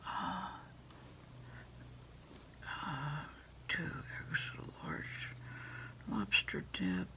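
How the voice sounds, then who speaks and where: Whispering American woman, slow and crackly. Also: deep voice, sing-song. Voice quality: breathy whisper with fry. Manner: quiet, halting, unhurried, polite. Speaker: ASMR performer playing a takeout order taker. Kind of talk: whispered ASMR roleplay of a phone call. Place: small dim indoor desk space.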